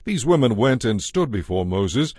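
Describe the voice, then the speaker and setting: A man giving a measured, formal narration of scripture from a script. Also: medium pitch, sing-song, darkish tone, no echo, studio quality. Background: music.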